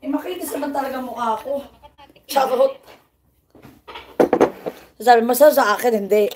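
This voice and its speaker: A woman's voice: a little high, moderate pace, very noisy. A playful, teasing woman from the Philippines chatting casually on a livestream, laughing often. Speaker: vlogger.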